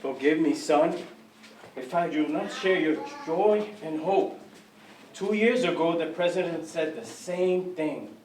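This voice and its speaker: A man's voice: fairly high pitch, slow, a little mellow, slight background noise. A man playing a tired, doubtful father in a spoken word poem. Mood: weary. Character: weary, numb grown father. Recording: echoey room, mic from far off.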